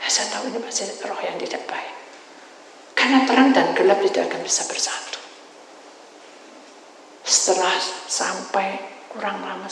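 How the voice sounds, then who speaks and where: Woman pastor, dramatic testimony sermon, whispers to shouts, booming reverb, faint hiss. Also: vocal fry. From Indonesia. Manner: dramatic storytelling, swings between loud cries and whispers. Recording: echoey hall with long reverb, faint noise.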